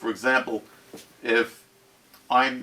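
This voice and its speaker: Speaking with a Brooklyn accent, a man at a medium pitch talks at a very slow pace. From New York, Brooklyn. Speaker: law-trained channel host. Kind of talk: casual discussion.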